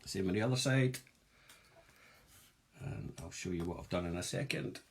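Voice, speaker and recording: A young Glaswegian man with a Glaswegian Scottish accent hosts a live-streamed jewellery workshop, demonstrating techniques and joking with viewers in a chatty, self-mocking way. His deep voice has a breathy edge and moves at a moderate pace.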